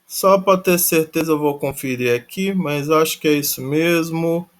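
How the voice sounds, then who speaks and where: A man's voice: fairly high pitch, moderate pace. A man teaching a grammar lesson in a casual, thinking-aloud way. He restarts often and spells out verb endings syllable by syllable. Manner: thinks aloud, many restarts and tag questions. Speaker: Greek teacher.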